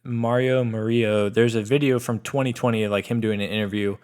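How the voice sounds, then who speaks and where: A man's voice: fairly low pitch, steady tone, fairly quick, a little mellow, clean tone. A man co-hosting a podcast in casual chat, talkative and full of filler words. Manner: chatty, heavy filler words. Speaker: podcast co-host.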